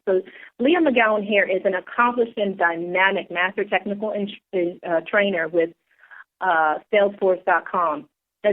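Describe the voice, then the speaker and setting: An eager woman co-hosts a podcast, earnest and enthusiastic, stumbling now and then on fillers while reading. Her pitch is ordinary for a woman. The audio comes through a narrow, phone-like line. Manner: enthusiastic, earnest, a bit halting. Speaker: co-host. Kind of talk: podcast hosting, reading a bio.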